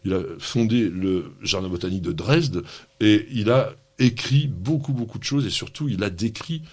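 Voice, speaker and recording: A man's voice: fairly low pitch, moderate pace, breathy edge. A man hosting a radio gardening show, chatting enthusiastically and teasing his co-host with frequent laughs. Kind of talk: lively on-air gardening chat.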